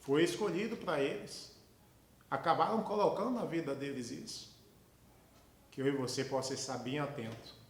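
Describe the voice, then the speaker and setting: A man from Brazil leads a Sabbath school lesson with an emphatic, preachy delivery full of rhetorical questions. His voice sits high for a man. The room gives it a noticeable echo. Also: moderate pace, long pauses. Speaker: lesson host.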